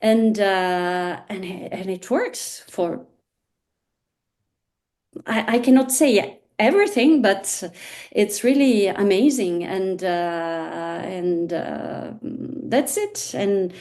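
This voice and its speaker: Woman trainer, mid-pitched, stop-start delivery with lots of fillers. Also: darkish tone. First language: Italian. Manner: halting, many restarts and fillers. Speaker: hypnosis trainer. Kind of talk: casual interview chat.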